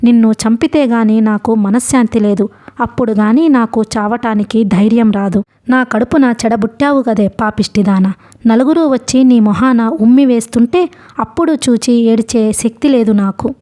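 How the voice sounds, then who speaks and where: A woman narrating a novel, voicing a furious, desperate middle-aged mother who shouts bitter threats. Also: fairly high pitch, moderate pace, natural voice. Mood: raging. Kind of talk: audiobook novel reading.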